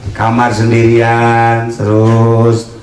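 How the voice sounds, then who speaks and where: A man preaching a humorous religious sermon, animated and jumping into mocking voices for jokes. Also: mid-range voice, takes it slowly, very noisy. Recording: echoey hall, mic from far off.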